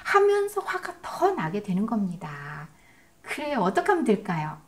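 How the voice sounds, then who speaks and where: A woman's voice: medium pitch, wildly swooping pitch, normal speed. Korean woman giving parenting advice. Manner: explanatory, acts out parent and child lines. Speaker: parenting educator.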